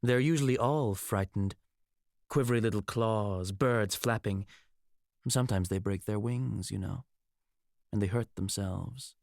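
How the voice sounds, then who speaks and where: Man playing a low-voiced, menacing mad mage. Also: a little slow, vocal fry, dry recording, clean studio sound. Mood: unhinged, brooding. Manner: odd inflections, sardonic, expressive delivery. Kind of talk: audiobook character acting.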